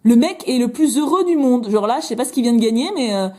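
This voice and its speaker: A bubbly French woman chats away as she opens card packs, her fairly high voice swooping up and down. She jokes at her own expense and throws in quick asides. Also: expressive, dark tone. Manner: chatty, bubbly, self-mocking, quick asides. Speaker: card-opening video host. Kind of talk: casual chat while opening cards.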